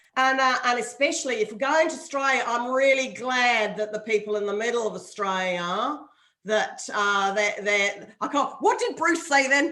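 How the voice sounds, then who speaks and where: Against audible room echo, a woman talks at a moderate pace with hardly any pauses, her high voice bright and sharp, with ordinary pitch variation. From UK. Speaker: on-camera confidence coach. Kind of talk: live Q&A on video call. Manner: animated.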